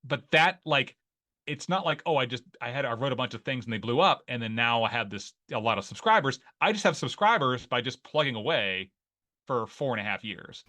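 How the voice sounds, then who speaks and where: A man in his forties with an Ohio accent, chatting as a guest in an interview. His voice sounds bright and forward, sitting at an ordinary pitch for a man. He rambles, circling back with fillers and restarts. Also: animated, fairly quick. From Northeast Ohio. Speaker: guest, newsletter writer. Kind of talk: casual interview conversation.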